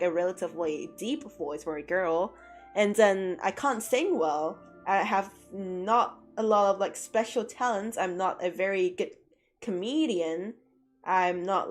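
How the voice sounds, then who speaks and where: Young female art streamer, self-deprecating and rambly, slightly sore throat, soft music under her talk. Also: lowish voice. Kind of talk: casual stream chat while drawing. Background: faint music.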